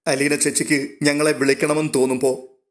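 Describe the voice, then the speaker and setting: A man's voice: a little high, level tone, fairly quick, close to an everyday voice. A man voicing a remorseful young man who apologizes in a choked, emotional voice.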